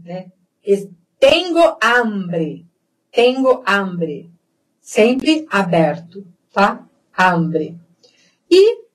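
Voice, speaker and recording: A Brazilian woman with a Brazilian Portuguese accent, a university teacher giving a lecture on Spanish pronunciation. She repeats each word slowly as she demonstrates it and keeps checking in with "né?". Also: a little high, breathy edge, low-quality recording. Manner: slow, repetitive, demonstrating sounds and checking in with "né?".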